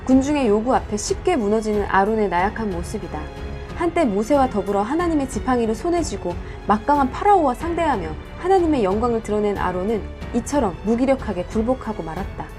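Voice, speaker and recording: High-pitched, very animated woman storyteller. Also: a little fast, over music. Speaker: storyteller and host. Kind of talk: dramatic Bible storytelling narration with casual asides.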